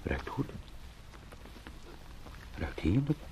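An actor playing a travelling salesman turned beetle in a radio drama, thinking aloud in halting murmurs, oddly calm and resentful. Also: low voice, slight background noise, full character voice. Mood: musing, halting. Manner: halting, murmured fragments, sometimes whispering. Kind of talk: radio drama, slow interior monologue.

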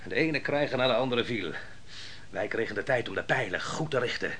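An actor playing a proud, ruthless biblical army commander in a radio drama, speaking in a grand, declamatory style. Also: male voice, medium pitch, expressive, brisk, fairly bright tone, a little hiss or hum. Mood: fierce, then grand, exultant. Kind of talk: theatrical radio drama monologue and dialogue.

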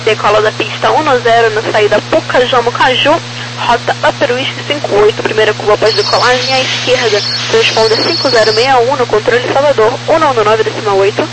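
A highish-voiced Brazilian woman speaks as an air traffic controller over a crackly aviation radio with clear noise and hum. She delivers clipped, procedural instructions in standard phraseology, spelling out codes with the phonetic alphabet. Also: brisk.

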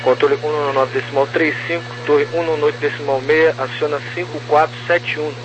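A man's voice: a little high, steady tone, brisk. A man working as an air traffic controller, giving clipped procedural instructions over a walkie-talkie style radio. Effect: over walkie-talkie style two-way radio. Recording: noisy two-way radio, loud hum and static.

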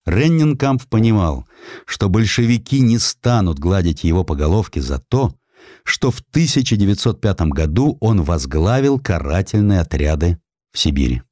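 A man's voice: low voice, sing-song, normal speed, warm tone, no room sound, studio quality. A man narrating a historical essay as a scripted audiobook, with an emphatic, theatrical storytelling delivery.

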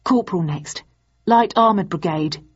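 A woman's voice: medium pitch, measured pace, husky, no echo. A woman voicing an earnest, persistent young male student activist. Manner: earnest, insistent. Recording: dull lo-fi audio.

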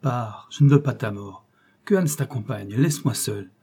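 A man's voice: medium pitch, moderate pace, warm tone, husky, natural voice. A man voicing a fierce, stubborn old professor. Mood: stern insistent. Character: fierce elderly male professor, stubborn and driven.

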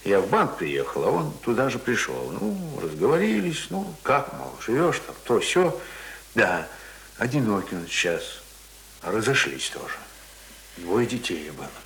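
A man's voice: on the low side, very animated, a little slow, fairly bright tone, heavily acted, rough recording. A man acting a talkative, coaxing village brother in a naturalistic radio play, speaking colloquially and hesitantly. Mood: coaxing, explaining. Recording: hissy old radio recording.

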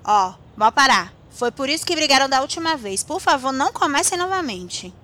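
Woman playing a composed, high-voiced confidante. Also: big pitch swings, normal speed, pushed and bright, heavily acted. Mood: composed, chiding. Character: composed, chiding female listener to the tale. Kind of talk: conversational audio drama acting.

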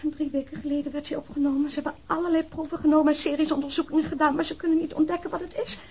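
An actress playing a bewildered, indignant new widow in a radio drama, halting yet insistent. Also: female voice, high-pitched, flat delivery, a little mellow, lightly acted. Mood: weary recounting. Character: bewildered, indignant newly widowed wife of a policeman. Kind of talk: naturalistic radio drama acting.

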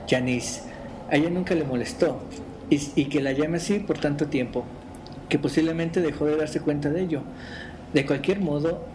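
Man, fairly high-pitched, podcast host, casual delivery, story reading, clearly noisy recording.

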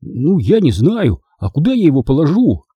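A man's voice: high-pitched, huge pitch swings, drawn-out words, breathy edge, no echo, highs cut off, pitched above the performer's own voice, heavily acted. A man playing a timid, hesitant boy.

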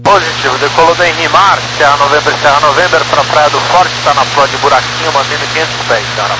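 A man's voice: on the high side, quick pace. A man with a Brazilian Portuguese accent, a pilot making clipped, formulaic radio calls over a cockpit headset. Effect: pilot speaking over a cockpit headset radio. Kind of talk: air traffic radio calls. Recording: noisy aviation radio channel.

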